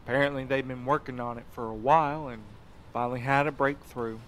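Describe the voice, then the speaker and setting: A man's voice: medium pitch, steady tone, a little fast, a bit bright, slight background noise, lightly acted, rough recording. A man playing a jaded, slangy internet cafe owner in an audio drama, with a brash, casual way of talking. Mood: offhand, impatient. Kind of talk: naturalistic audio drama acting.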